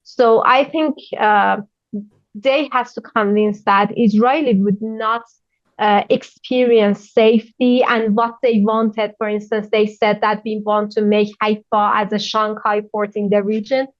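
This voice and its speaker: A woman from Iran with a Persian accent, answering news interview questions as a journalist in halting, non-native English, often searching for words. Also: medium pitch, steady tone, no echo, highs cut off.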